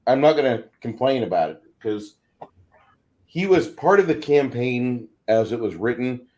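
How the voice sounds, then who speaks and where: A man's voice: mid-range voice, animated, normal speed, a little mellow. A man speaking casually and at length as a panelist, opinionated and emphatic in the way he explains things. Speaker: panelist and game master. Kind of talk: casual discussion.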